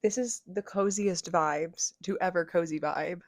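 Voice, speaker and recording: A young woman co-hosting a podcast, chatting in an animated way with lots of swearing and laughter. Her voice has a middle pitch for a woman. The recording is dry, with little room sound. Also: measured pace, dry recording. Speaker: podcast co-host. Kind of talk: casual chat.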